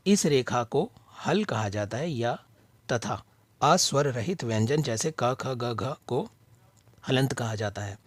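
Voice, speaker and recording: A man tutoring students by reading assignment answers aloud, in a measured, dictation-like way with pauses between listed words. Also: medium pitch, no room sound. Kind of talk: slow read-aloud of study answers.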